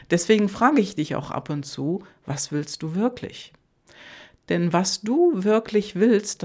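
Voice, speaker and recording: Slow, calm coaching podcast voice. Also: mid-range voice. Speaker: life coach.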